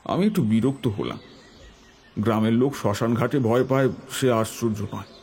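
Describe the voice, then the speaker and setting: A man narrating a scripted horror tale in the first person, with measured, literary storytelling. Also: mid-range voice, a little mellow, breathy edge.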